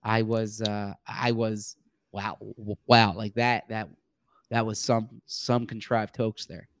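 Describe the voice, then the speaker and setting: A man's voice: on the low side, flat delivery, slow pace, a bit bright, a little hiss or hum. A man co-hosting a casual sports talk show who often stumbles and repeats words as he starts his thoughts. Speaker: sports podcast co-host.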